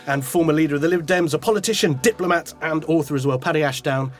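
A man's voice: on the high side, quick pace, faint music behind. A man with a British accent hosting a casual book podcast interview in a chatty, complimentary way. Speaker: podcast host.

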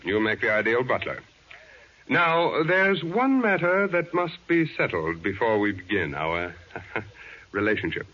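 An actor playing a smooth-talking, imperious, genteel male crime boss in a 1940s radio drama, deliberate and condescending. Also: mid-range voice, sing-song. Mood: condescending, suave. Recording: dull vintage 1940s radio recording.

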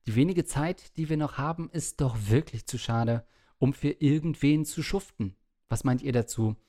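A man hosting a podcast, moving between casual chat and reading listener letters aloud. His tone is dry and matter-of-fact with a teasing edge, at an ordinary male pitch. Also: moderate pace, dark tone.

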